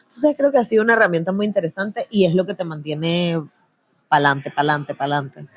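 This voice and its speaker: A young adult woman with a Venezuelan Spanish accent, talking casually as an interview guest, chatty and quick to laugh, with slang. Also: fairly low pitch, no room sound. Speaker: guest, producer and antiracism content creator.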